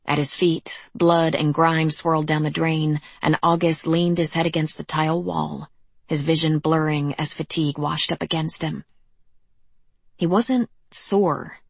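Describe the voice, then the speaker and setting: Low husky woman narrating. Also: little pitch movement, measured pace, no room sound. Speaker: audiobook narrator. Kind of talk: scripted narration.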